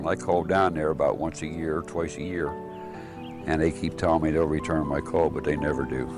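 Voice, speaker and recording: A man's voice: extremely low pitch, steady tone, moderate pace. An older man interviewed for a news story, speaking in a plain, weary way. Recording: news clip with music behind.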